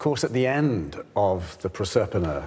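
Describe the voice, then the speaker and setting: A man speaks very slowly in a somewhat breathy voice. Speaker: theatre director, presenter. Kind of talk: presenting and interview chat. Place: stage.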